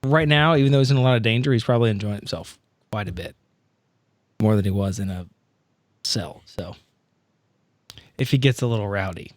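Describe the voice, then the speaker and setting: A man's voice: lowish voice, fairly quick, long pauses, no echo. A man chatting casually and jokingly as a player on a tabletop game podcast, often poking fun at himself. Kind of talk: casual chat.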